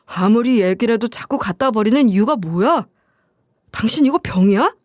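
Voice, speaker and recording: A woman's voice: on the high side, animated, normal speed, darkish tone, no echo, clean studio sound, close to an everyday voice. A woman voicing an irritated husband who runs an appliance store, asking scolding questions. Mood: exasperated.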